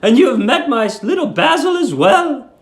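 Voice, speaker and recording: A man's voice: very high voice, very animated, normal speed, pitched above the performer's own voice, heavily acted. A man voicing a sweet, eerie elderly landlady with a polite, cooing, theatrical manner in a storybook reading. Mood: sweetly eerie.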